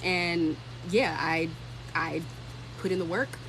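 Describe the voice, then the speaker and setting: A woman's voice: fairly low pitch, slow pace, noisy background. A thirty-year-old woman hosting a casual livestream, talking informally and thinking aloud as she answers comments. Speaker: livestream host and tech career content creator.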